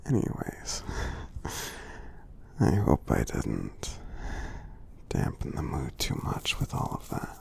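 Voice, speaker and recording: Man voicing a gentle giant, gravelly slow whisper. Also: wildly swooping pitch, heavily acted. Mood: earnest, sentimental. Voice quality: breathy, gravelly low whisper. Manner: slow, soothing, halting, reassuring. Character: friendly gentle male giant, tender and encouraging. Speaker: ASMR performer. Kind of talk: ASMR affirmation roleplay.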